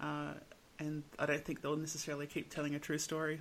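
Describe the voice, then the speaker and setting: With an Australian accent, a woman speaks very fast in a flat monotone. Her pitch is very deep and low. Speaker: footy podcast host. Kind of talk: casual chat.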